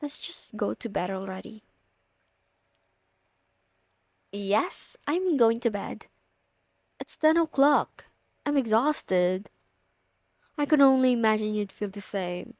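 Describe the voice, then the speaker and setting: Casting: actress as a friend's bossy older sister, young, teasing and coy, unhurried delivery, close dry sound for ASMR roleplay. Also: female voice, fairly high pitch, lively intonation, darkish tone, no room sound. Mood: tired, insistent. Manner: casual, teasing, coy, lightly exasperated. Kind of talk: intimate ASMR audio roleplay.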